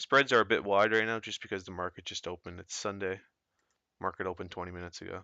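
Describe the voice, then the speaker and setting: A man with a fairly low voice speaks at a very fast pace. His intonation is fairly even, while his loudness swings widely. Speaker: forex trading educator. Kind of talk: screen-share tutorial. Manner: casual, hesitant fillers.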